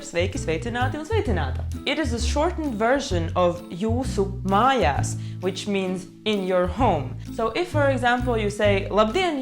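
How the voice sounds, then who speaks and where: A young woman with a Latvian accent, a Latvian native speaker, teaching a casual language lesson in a playful, chatty way with wry asides. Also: mid-range voice.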